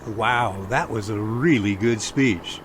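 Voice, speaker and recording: A man's voice: fairly low pitch, slow, slight background noise. A man playing a skeptical, wry investigator's sidekick in an audio drama, with a questioning, dry manner. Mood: wry, doubtful. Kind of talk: amateur audio drama dialogue.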